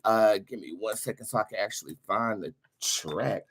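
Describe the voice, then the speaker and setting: A man's voice: on the low side, normal speed, a bit bright, slightly rough. A man hosting a livestream, talking in a sassy, theatrical way with plenty of swearing and motivational chat. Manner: sassy, theatrical, foul-mouthed. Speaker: host of a tarot livestream show.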